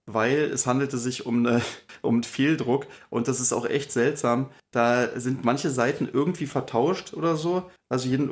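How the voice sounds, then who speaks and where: A man co-hosting a comic podcast, chatting casually with lots of fillers and restarts. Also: mid-range voice. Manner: rambling, many fillers and restarts. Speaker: podcast co-host.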